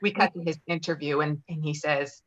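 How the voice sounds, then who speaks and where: Low-voiced woman reading stage directions. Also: fairly even intonation, fairly quick, fairly bright tone, lo-fi sound. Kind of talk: scripted narration at a table read.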